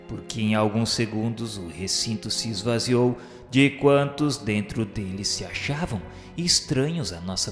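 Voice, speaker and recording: Brazilian guy narrating a radio drama, lowish voice, big hall reverb, solemn and bookish. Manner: literary, formal, solemn storytelling. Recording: echoey hall reverb, faint music behind.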